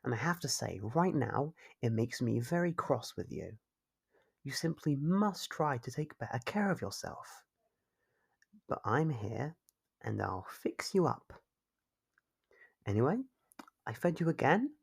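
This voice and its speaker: A man playing a calmly controlling, doting yandere kidnapper in an ASMR roleplay, speaking in a measured, formal, fussily caring way. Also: mid-range voice, gravelly, slightly rough, exaggerated voice. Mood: fussy, doting. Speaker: voice actor.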